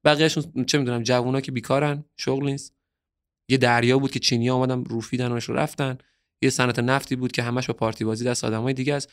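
A man's voice: medium pitch, little pitch movement. A man from Bushehr in southern Iran, a musician guest on a podcast, talking casually in an earnest, opinionated way that turns heated at times.

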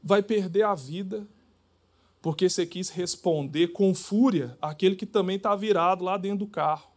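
High-voiced preacher. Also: male voice, normal speed. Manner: animated, acts out dialogues. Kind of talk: sermon.

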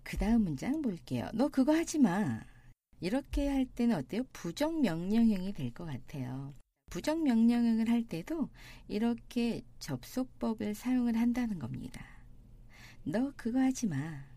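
A woman teaching a language lesson, explaining grammar and reading example sentences slowly and deliberately. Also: a little high, sing-song, dark tone, no echo. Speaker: Spanish teacher.

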